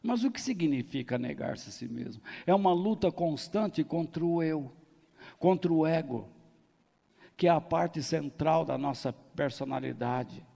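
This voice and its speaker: High gravelly-voiced man preaching. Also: lively intonation, measured pace, dark tone. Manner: folksy, jokes and acts out quoted people. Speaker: pastor. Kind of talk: sermon. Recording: long hall reverb.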